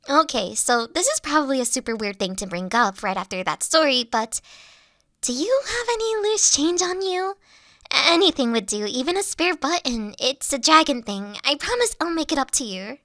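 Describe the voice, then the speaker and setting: Woman voicing a bashful nerdy dragon girl, high-pitched. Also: sing-song, sharp tone, dry recording, studio quality, exaggerated voice. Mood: sheepish, pleading. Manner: bashful, earnest, halting, giggly. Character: shy, nerdy, self-deprecating big young female dragon student. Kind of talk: intimate one-sided character audio roleplay.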